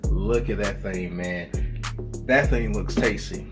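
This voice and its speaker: A man hosting a casual cooking video, relaxed and chatty, tacking "man" onto most of his sentences. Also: lowish voice, slow pace, music in the background. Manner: laid-back, says "man" constantly. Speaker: cooking channel host.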